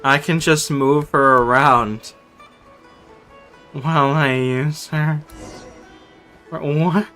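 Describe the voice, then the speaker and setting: A man's voice: on the high side, fairly even intonation, extremely slow, pauses often, pushed and bright. A young man chatting casually with viewers while streaming a game, slangy, joking and sweary. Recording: game music faintly behind.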